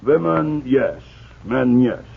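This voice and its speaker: An actor playing a slow-witted, agreeable doorman in a radio drama, answering evasively in halting, broken English. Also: mid-range voice, animated, gravelly, husky, full character voice. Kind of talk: 1940s radio acting. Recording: muffled old radio recording.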